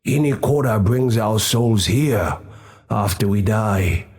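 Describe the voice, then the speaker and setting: A man's voice: lowish voice, takes it slowly, darkish tone. A man playing a thoughtful, doubting dead tribal adviser, speaking formally in a fantasy game. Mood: pensive, troubled. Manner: formal, pensive.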